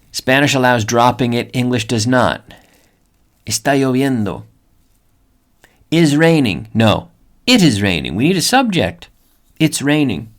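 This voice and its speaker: A man leads a podcast English lesson in a patient teaching voice at a middle pitch. He keeps checking in with listeners and repeats his examples. He drops into Spanish now and then to make a point clear. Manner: switches between English and Spanish to explain.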